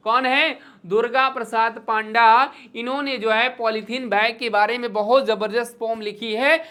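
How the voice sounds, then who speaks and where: In an online exam-prep session, a female teacher with an Indian accent mixes Hindi and English and calls her pupils "beta." She reads English verse in a slow, rhythmic way, her fairly high voice steady and a bit bright.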